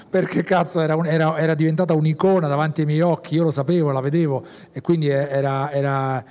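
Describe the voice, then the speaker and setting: Male director, rambling panel talk, slightly raised pitch, long hall reverb. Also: a little mellow. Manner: rambling, many restarts.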